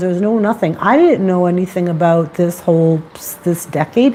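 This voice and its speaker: Against noticeable background noise, a woman with a Canadian accent speaks at a moderate pace and a medium pitch with ordinary pitch variation. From Canada (Sudbury, Ontario). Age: 60s. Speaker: YouTuber on aging. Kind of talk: casual livestream chat.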